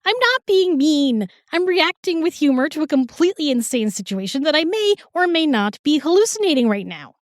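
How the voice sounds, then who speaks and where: Sassy young heroine, female actor: raised pitch, colloquial, wry, dry studio sound. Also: sing-song, brisk, hardly any pauses, no echo. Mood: incredulous, amused. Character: sassy, irreverent modern young woman in a fantasy realm. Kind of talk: fantasy audio drama acting.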